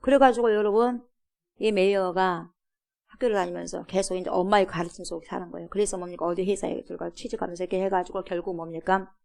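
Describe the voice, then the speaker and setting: A woman's voice: lowish voice, fairly even intonation, fast talker, gravelly, darkish tone. A woman pastor preaching a sermon in a church, emphatic, calling out to the congregation and asking rhetorical questions. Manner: emphatic, many rhetorical questions and repeated "여러분". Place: church sanctuary.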